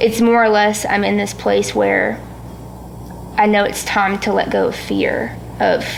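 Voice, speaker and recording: The woman's loudness stays very even at a fairly slow pace. Long, frequent pauses break her speech, and room echo is audible. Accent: Louisiana. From Louisiana. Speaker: singer-songwriter. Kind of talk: casual interview chat.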